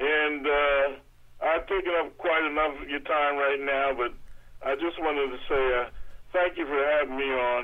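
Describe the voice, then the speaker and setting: A man's unremarkable speaking voice, fairly high in pitch, at a moderate pace with fairly even intonation. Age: 60s. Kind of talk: testimony.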